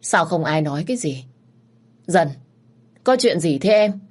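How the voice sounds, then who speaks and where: A woman's voice: fairly low pitch, expressive, measured pace. A woman voicing a bewildered young man who insists on knowing what happened. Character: young man, stunned and pleading son.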